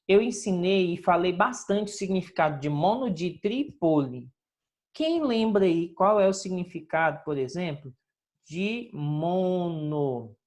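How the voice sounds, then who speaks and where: Slow sing-song teacher woman. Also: lowish voice, darkish tone. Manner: patient, drawn-out, sing-song teacher talk with frequent checks like "ok?". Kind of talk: recorded lesson going over homework.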